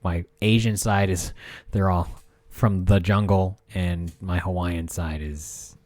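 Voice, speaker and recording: A man with a lowish voice who jokes crudely and breaks into loud laughter. He is chatting casually with friends on a podcast. The sound is dry, with no room around it. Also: steady tone, slow, no echo. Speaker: podcast co-host. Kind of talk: casual banter over drinks.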